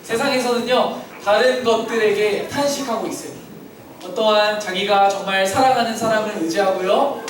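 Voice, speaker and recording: A man's voice: high-pitched, moderate pace, background noise. A man preaching to children at church and leading them in call-and-response answers. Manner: asks kids questions, leads call-and-response. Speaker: children's pastor. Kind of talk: interactive children's sermon. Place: church hall. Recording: very echoey hall, distant mic, children audible.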